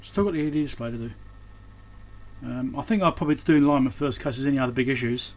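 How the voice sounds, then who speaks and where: Working at his bench, this man talks through an electronics repair in a loose, muttering, think-aloud way. He speaks very fast at a medium pitch, and the recording has clear background noise.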